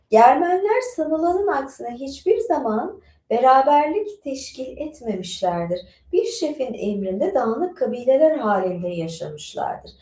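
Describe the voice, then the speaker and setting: A woman's voice: a little high, dark tone. Chatty woman with an echoey studio sound. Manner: chatty, digressive, many fillers. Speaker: streamer reading and chatting. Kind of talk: casual live-stream chat and reading aloud. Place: home studio with bookshelves.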